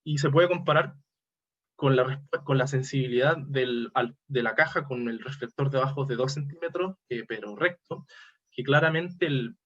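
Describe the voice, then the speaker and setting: A man presents technical material as an academic speaker. His voice sits at a medium pitch, and his delivery is hesitant, with frequent self-corrections. The recording is dull and lo-fi. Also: normal speed, fairly bright tone. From Chile. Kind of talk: technical conference presentation over slides.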